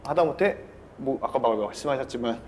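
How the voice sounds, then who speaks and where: Fast, encouraging male consultant. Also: medium pitch, animated, noisy background. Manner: earnest and encouraging, rapid talker. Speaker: career consultant on a panel. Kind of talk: casual advice-giving.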